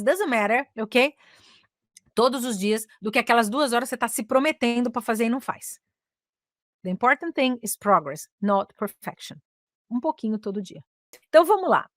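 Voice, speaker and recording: A Brazilian woman coaching English communication, chatting in a lively teaching manner and often switching into English with a Brazilian accent. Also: on the high side, no echo, studio quality. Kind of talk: casual teaching talk.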